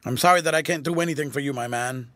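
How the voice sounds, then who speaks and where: A man's voice: fairly high pitch, quick pace, a bit bright, dry recording, close to an everyday voice. A man voicing a stern, hot-tempered older general who speaks with command.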